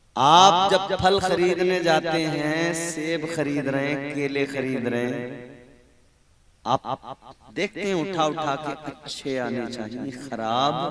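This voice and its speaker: Noticeable background noise can be heard. Ordinary pitch variation runs through the speech. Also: man, fairly high pitch for a man. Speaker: Islamic preacher giving a religious sermon. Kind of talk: sermon delivered at a public religious gathering.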